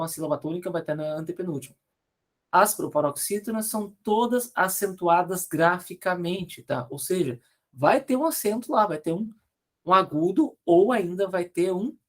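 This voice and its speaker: Brazilian male teacher explaining grammar rules. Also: high-pitched. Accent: Brazilian Portuguese. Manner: explanatory, sprinkles tag questions like tá and né; spells out letters slowly, corrects slide errors aloud. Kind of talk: recorded online grammar lesson.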